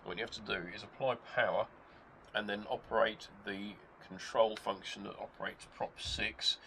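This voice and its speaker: Gravelly-voiced man with a cold. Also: lowish voice, normal speed, poor audio. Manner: explains step by step, relaxed, with hesitations. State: stuffed-up nose from a cold. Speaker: channel host reviewing a hobby gadget. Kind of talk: casual product demonstration. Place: home workshop with rain outside. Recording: rain and model engine noise behind.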